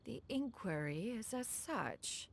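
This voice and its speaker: A woman voicing a proud, aloof immortal crane adept in a video game, with creaky, archaic and very formal speech. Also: fairly high pitch, very animated, slow pace, a little hiss or hum, full character voice. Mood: stately, reserved. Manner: haughty, archaic formal diction.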